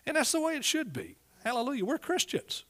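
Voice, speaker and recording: A man's voice: very high-pitched, huge pitch swings, brisk, bright, forceful tone. A middle-aged man with an East Texas accent preaching a sermon in a folksy, emphatic way, prompting listeners as he goes.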